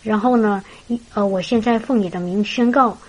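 A woman voicing a calm, patient middle-aged male pastor who prays in a measured way and asks gentle questions. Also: high-pitched, rough recording. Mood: prayerful.

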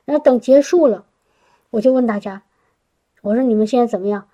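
A woman telling a personal faith testimony in an animated storytelling way, breaking into exclamations of praise. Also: on the high side, fairly quick, muffled recording. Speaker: church member giving a testimony.

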